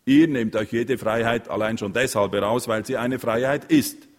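A man's voice: medium pitch, moderate pace, long reverb tail, natural voice. A man reading an audiobook voices an ailing, stern father who wheezes and coughs as he lectures. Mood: strained, stern. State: out of breath.

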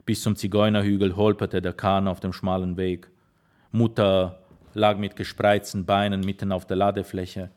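A man narrating an audiobook in a measured storytelling manner. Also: low-pitched, level tone, darkish tone.

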